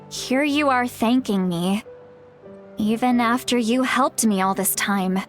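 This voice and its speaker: Legendary female tribal elder, video game character, frank, self-deprecating, wry asides, casual delivery, music behind. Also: a little high. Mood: embarrassed.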